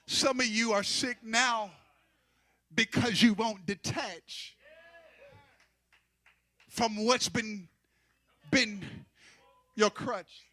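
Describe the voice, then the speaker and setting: A man's voice: sits high, steady tone, extremely slow, long pauses, sharp tone. A man preaching a sermon into a pulpit microphone, building fervor and teasing the congregation to respond.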